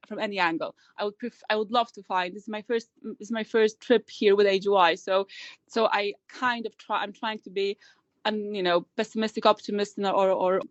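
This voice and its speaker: Woman, founder, medium pitch, stumbling repeats, dry muffled call audio. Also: steady tone, dry recording. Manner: fast, repeats words often, many restarts. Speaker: company founder and CEO. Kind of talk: remote interview answers.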